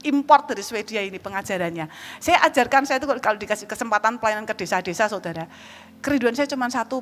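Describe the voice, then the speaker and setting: A woman evangelist with a Javanese accent preaching a sermon in a church hall, lively and joking, often calling out to the congregation. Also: mid-range voice. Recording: reverberant church hall, faint background noise.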